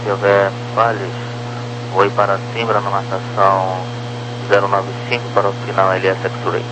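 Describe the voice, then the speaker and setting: A man's voice: deep voice, completely flat delivery, moderate pace. A man working as an air traffic controller, giving clipped procedural instructions in number-heavy phraseology over a crackly radio. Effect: crackly aviation radio. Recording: crackly humming aviation radio transmission.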